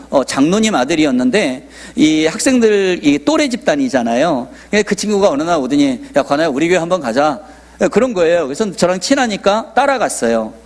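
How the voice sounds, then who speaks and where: High-pitched guy pastor telling a testimony story, acts out what people said. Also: a little mellow. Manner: storytelling, acting out quoted dialogue. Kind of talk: sermon testimony.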